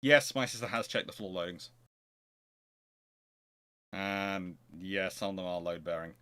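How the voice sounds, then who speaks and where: A man's voice: sits low, unhurried, bright, forceful tone, smooth. Man hosting an informal history talk. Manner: hesitant, thinking aloud, self-correcting. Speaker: host of a naval history show. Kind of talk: informal question-and-answer talk and reading aloud from books.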